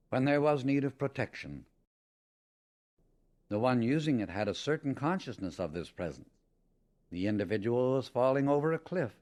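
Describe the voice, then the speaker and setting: A man with a mid-pitched voice narrates a spiritual teaching from a script. His delivery is solemn and deliberate, placing firm emphasis on key words as an audiobook reader would.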